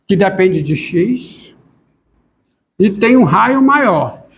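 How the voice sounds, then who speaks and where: High-voiced man teaching calculus. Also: big pitch swings, very slow, dull audio, a little hiss or hum. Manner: repeats questions to the class, talks while writing. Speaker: math lecturer. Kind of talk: calculus lecture at a board.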